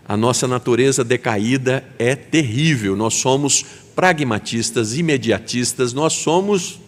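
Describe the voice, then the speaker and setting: A man with a Brazilian Portuguese accent, preaching a sermon as pastor and acting out quoted voices. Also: medium pitch. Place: church sanctuary. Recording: long hall reverb.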